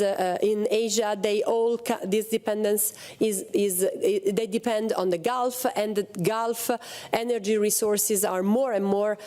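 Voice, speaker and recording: A woman's voice: medium pitch, dark tone. A woman from Italy, speaking on a policy panel, hesitant with many fillers and restarts. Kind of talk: panel talk on security policy.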